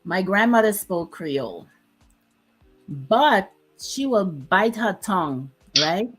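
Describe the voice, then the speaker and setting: A woman's voice: mid-range voice, very animated, slow pace, husky, soft background music. A woman from Dominica, hosting a casual chat, talkative, laughing often and stretching words for emphasis. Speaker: host.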